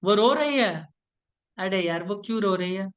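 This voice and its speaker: A man's voice: high-pitched, lively intonation, moderate pace. Male teacher, online class, playful and teasing, keeps checking in with students.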